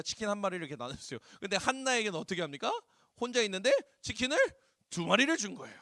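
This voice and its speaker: A man preaching a sermon to high school students as their youth pastor, animated, asking them questions and acting out voices. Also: no echo, studio quality. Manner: animated, acts out voices, asks the crowd questions. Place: church hall.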